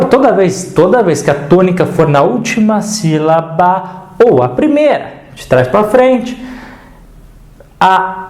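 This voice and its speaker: A man's voice: sits high, darkish tone, roomy sound. A man with a Brazilian Portuguese accent teaching an online grammar lesson, chatty and checking in often with the viewer.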